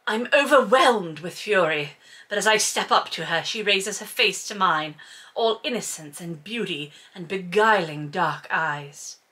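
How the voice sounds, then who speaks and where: A woman's voice: mid-range voice, lively intonation, a little slow, pushed and bright. A woman hosting a book read-aloud, breaking into casual, sarcastic and emphatic commentary with some swearing. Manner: sardonic, incredulous, emphatic.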